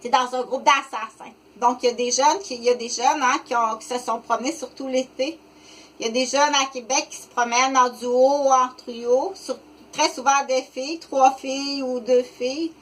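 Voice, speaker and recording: Halting Québécois woman in her fifties. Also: sits high, steady tone, a bit bright, rough recording. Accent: Québécois French. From Quebec, Canada. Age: 50s. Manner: rambling, halting, many "euh" fillers and restarts. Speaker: vlogger. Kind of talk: unscripted monologue to camera.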